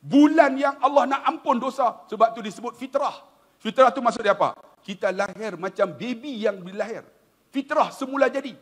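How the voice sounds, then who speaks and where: A man's voice: very high voice, fairly quick. A middle-aged man with a Malaysian Malay accent giving a humorous religious lecture, telling stories and often addressing his audience directly. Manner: animated storytelling, addresses audience as tuan-tuan. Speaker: preacher.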